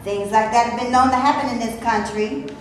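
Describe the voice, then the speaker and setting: Female reader as a sharp-tongued black actress who scolds and mocks; a high, animated voice with heavy room echo. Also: fairly quick, close to an everyday voice. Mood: scornful. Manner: scornful, sharp. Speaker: actor in a staged reading. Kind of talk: staged play reading. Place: stage before a live audience. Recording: very echoey room, faint noise.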